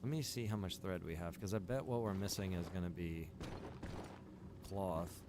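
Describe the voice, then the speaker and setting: A man livestreaming a survival roleplay game, chatting casually and informally as he thinks out loud. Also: low-pitched, moderate pace, background noise. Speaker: game livestreamer and server developer.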